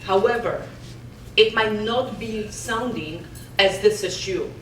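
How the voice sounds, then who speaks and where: A woman's voice: medium pitch, slow, slight background noise. Woman, Polish accent, keynote speaker, earnest, echoey hall, distant mic. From Poland. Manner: earnest, repeats words when restarting. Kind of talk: motivational talk. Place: conference hall.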